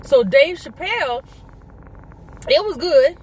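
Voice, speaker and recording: A woman's voice: sits high, expressive, takes it slowly, a little mellow, slight background noise, rough recording. A middle-aged woman chatting casually in a vlog, emphatic and fond of rhetorical questions and repetition. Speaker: vlogger. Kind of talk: casual mukbang conversation, storytelling.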